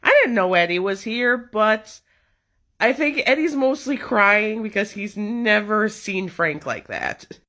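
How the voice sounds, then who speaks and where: Slow-paced woman giving casual reactions. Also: mid-range voice, animated, sharp tone.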